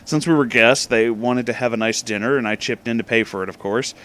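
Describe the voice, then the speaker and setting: A man hosting an informal read-aloud, speaking in a conversational, slightly halting way with casual asides. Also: medium pitch, a bit bright. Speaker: host reading online stories aloud.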